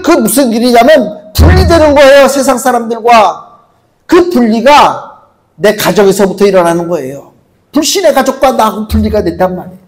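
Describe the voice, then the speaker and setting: A male pastor preaching a conversational sermon in a church, asking the congregation rhetorical questions and reading scripture slowly. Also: sits high, rough recording. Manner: acts out quoted voices, reads scripture slowly. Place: church sanctuary.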